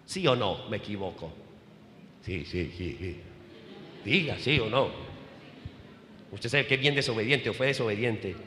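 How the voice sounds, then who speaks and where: A man preaching a sermon as a Catholic priest, animated, questioning the congregation and adding humorous asides. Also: lowish voice, measured pace, pauses often, slight background noise. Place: church. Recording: echoey hall.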